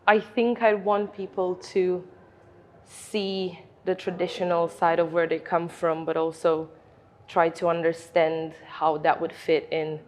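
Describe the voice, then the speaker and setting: A young woman from Romania, a master's student, talking thoughtfully about her art project and pausing to find her words. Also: fairly low pitch, little pitch movement, darkish tone. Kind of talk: reflective interview talk.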